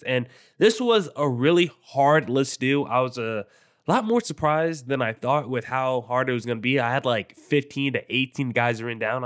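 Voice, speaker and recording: A young man with a congested, nasal voice, hosting a solo sports podcast in a casual, energetic rundown. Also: medium pitch. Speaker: podcast host.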